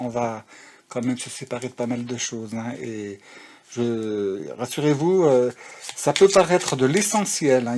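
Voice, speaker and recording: A man's voice: medium pitch, background noise. A man giving a casual spiritual tarot reading, rambling, with many fillers and restarts. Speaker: tarot card reader. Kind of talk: casual spiritual guidance talk.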